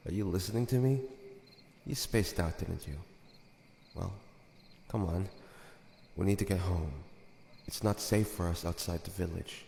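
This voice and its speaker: A man playing a gentle, protective demon older brother in an audio drama, coaxing and reassuring as he talks. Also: low voice, unhurried, vocal fry, long pauses. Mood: fond, teasing. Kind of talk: dramatic audio roleplay acting. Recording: echoey, long reverb, faint noise.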